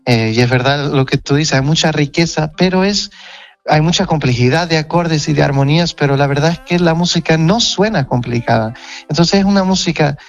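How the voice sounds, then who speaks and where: Gravelly Portuguese-accented man. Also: fairly high pitch, brisk, dull audio. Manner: thoughtful, searching for words, frequent restarts. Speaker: singer, interview guest. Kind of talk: reflective conversational interview answers.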